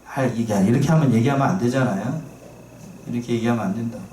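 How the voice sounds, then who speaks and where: A male pastor preaches a sermon in a church sanctuary, racing along in a mellow, mid-range voice. He asks the congregation rhetorical questions and repeats his key phrases conversationally. Recorded from a distance in the echoey church, the audio has a little hiss or hum.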